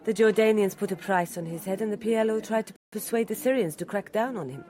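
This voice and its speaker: A woman playing a committed Lebanese Arab activist in a radio drama, assured, formal and deliberate. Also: mid-range voice, a little mellow, lightly acted. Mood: cool, assured.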